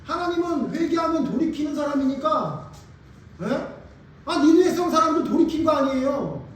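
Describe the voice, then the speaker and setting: A man voicing a petulant, self-righteous male prophet who loudly complains to God in a whiny, indignant way. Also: very high voice, expressive, rapid-fire, a little hiss or hum, pitched above the performer's own voice. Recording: echoey church hall, distant mic.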